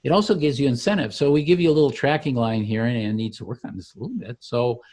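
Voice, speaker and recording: A man founder demonstrating his software tool step by step in an easygoing, explanatory way. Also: mid-range voice. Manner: relaxed, explanatory, slows to show steps. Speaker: software founder giving a demo. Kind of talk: walkthrough of an online tool.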